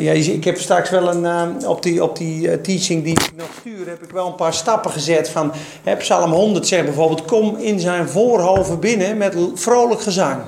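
A man preaching informally to a group, quoting scripture in a relaxed, conversational way with plenty of fillers and restarts. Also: sits high, vocal fry. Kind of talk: informal Bible teaching to a group. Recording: echoey room with faint noise.

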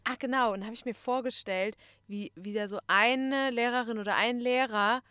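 A woman's voice: a little high, normal speed, smooth, dry recording, studio quality. A woman chatting casually and animatedly, acting out little stories. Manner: animated storyteller, acts out quoted voices. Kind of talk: casual chat.

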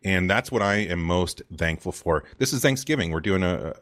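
Male co-host, very deep voice, unscripted and rambling, casual gamer talk. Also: lively intonation, normal speed, fairly bright tone. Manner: rambling, lots of fillers. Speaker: co-host of a gaming community show. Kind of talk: casual chat.

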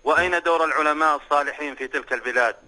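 A man speaks over a phone line, his voice bright and sounding a little distant. He talks quickly but keeps a polite, formal manner, like a respectful caller putting a question to a scholar. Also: fairly high pitch. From Saudi Arabia.

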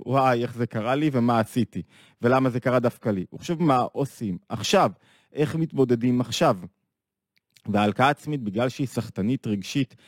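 A man's voice: medium pitch, a little mellow, dry recording, studio quality. Earnest man lecturing in rhetorical questions. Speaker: lecturer on Jewish psychology. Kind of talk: video talk to camera.

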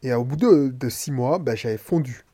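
A man's voice: mid-range voice, a little fast, dark tone. A man from Martinique with a head cold, a podcaster and coach talking bluntly and slangily straight to the listener in a casual monologue.

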